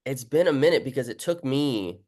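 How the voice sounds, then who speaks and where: A man's voice: medium pitch, expressive, brisk, darkish tone. A man hosting a casual, conversational interview, talking informally with his guest. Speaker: host and book author.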